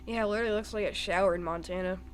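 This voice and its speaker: A man's voice: high-pitched, fairly even intonation, rapid-fire, a little hiss or hum. Rambling young man narrating radar live. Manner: rambling, thinking aloud over radar. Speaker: weather streamer. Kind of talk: live-stream weather commentary.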